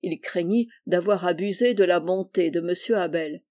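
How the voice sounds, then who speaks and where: A woman reading a classic novel aloud as an audiobook narrator, in clear, even storytelling. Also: fairly low pitch, moderate pace. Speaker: audiobook reader.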